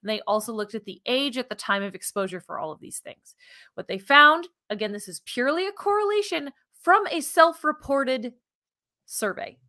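A woman, co-hosting a science podcast in an animated, informal, emphatic conversational way. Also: sits high, moderate pace. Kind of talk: conversational science news presentation. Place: small furnished room at home, indoors. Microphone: video call, wearing headphones.

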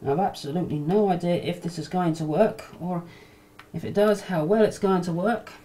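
A woman with a fairly low voice talks through a hands-on demonstration in a casual way. Her explanation comes haltingly. The amateur camcorder sound carries light noise behind her. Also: mellow. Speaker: hobbyist video maker, demonstrator. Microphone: camcorder microphone near the bench.

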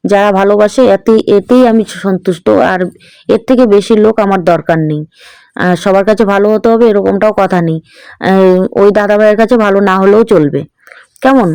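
A middle-aged woman with an East Bengal Bangal accent talks her viewers through her day in an easy, chatty vlog. Her voice is smooth and clear. The sound is close and dry, with no room echo. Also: medium pitch, darkish tone. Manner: chatty, keeps checking in with tag questions. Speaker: vlogger. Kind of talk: casual home vlog narration.

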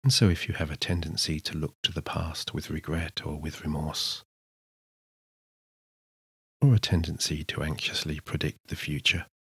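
Very deep-voiced man guiding sleep hypnosis. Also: steady tone, a bit bright, husky, dry recording. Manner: slow, soothing, measured delivery with pauses. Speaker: hypnotist, guided meditation narrator. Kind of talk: scripted sleep hypnosis, soothing guided relaxation.

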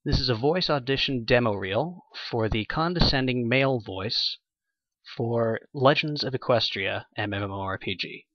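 A man's voice: medium pitch, moderate pace, no room sound, lo-fi sound. A man giving a scripted introduction to his voice acting audition reel. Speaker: amateur voice actor.

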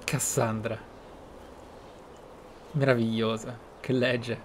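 A man's voice: medium pitch, flat delivery, takes it slowly, slight background noise. A man giving casual, musing commentary as he plays a game, thinking aloud. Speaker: gameplay streamer.

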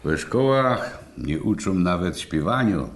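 A man's voice: deep voice, sing-song, slow pace, full character voice. A man playing a good-humoured, teasing older uncle in a radio dialogue, with a Silesian accent and a folksy, exclamatory manner. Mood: musing. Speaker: host of a radio show. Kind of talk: scripted dialect radio dialogue.

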